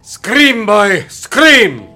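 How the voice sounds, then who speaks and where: A man's voice: high-pitched, animated, measured pace, a bit bright, faint music behind. An actor playing a proud, menacing old king, commanding and sneering in an audio drama. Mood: taunting. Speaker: villain.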